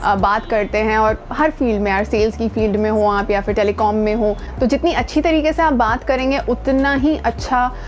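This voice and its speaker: An Indian voice coach hosting a video gives an informal talk to camera outdoors by her home, emphatic and conversational, with English words mixed in. Her voice is a little high, with fairly even intonation, normal speed and few pauses, while soft music plays in the background.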